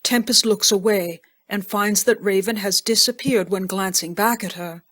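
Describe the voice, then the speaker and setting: A woman narrates an audio drama. Her voice sits at a medium pitch. She reads scene headings and actions from a script. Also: fairly even intonation, normal speed, fairly bright tone.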